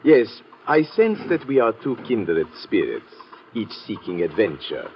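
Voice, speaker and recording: An actor playing a smooth, flowery, romantic Egyptian gentleman with courtly, ornate manners in a 1950s radio drama. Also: fairly low pitch, big pitch swings, unhurried. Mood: suave, romantic. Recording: muffled, noisy old radio recording.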